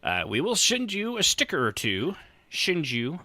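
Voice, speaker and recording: Male podcast host: rambling, jokey, sharply bright delivery with animated swings, recorded close and dry. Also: fairly high pitch, unhurried, no room sound. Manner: rambling, joking, teasing. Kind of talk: casual chat, hosting a live roleplay podcast.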